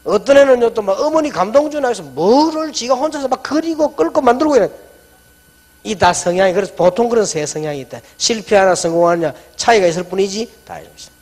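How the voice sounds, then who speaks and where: A middle-aged man preaches a sermon, telling stories in a lively way. His voice sits high and leaps all over the place. A long reverb from the church hall trails each phrase. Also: fast. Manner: animated storytelling, drops soft and low when quoting. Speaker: pastor.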